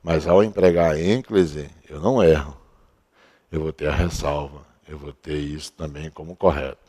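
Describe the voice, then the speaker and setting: A man's voice: very deep voice, fairly even intonation, normal speed, mellow. A man teaching a recorded grammar lesson at a board, explaining step by step and asking and answering his own questions. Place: at a board he writes on and erases.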